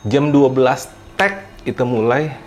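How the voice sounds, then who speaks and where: A man's voice: medium pitch, a little slow. A man, casually telling a horror story as a guest, repeating words for emphasis.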